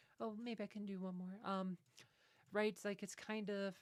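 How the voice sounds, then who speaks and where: Soft-spoken and mumbling, a woman with an American accent talks at a fairly quick pace and medium pitch. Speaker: gaming streamer. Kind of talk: live gameplay stream. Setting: live stream.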